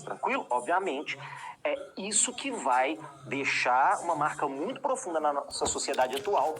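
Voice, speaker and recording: A woman with a Brazilian Portuguese accent teaching a history lesson, explaining patiently and checking in with her students often. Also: deep voice. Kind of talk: recorded classroom lesson.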